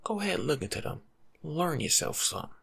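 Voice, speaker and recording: A young American man giving rambling, slangy ASMR life advice in a hushed, breathy voice, playful and animated, close to the mic in a room at home. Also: on the high side, fast. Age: young adult. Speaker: ASMR video creator. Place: small indoor room at home.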